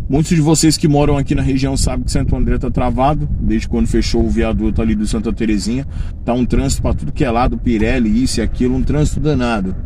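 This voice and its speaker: Against noticeable background noise, a man with a fairly low pitch talks at a very fast pace. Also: dry sound with no echo. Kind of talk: casual vlog chat. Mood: frustrated, venting. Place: car. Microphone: phone near.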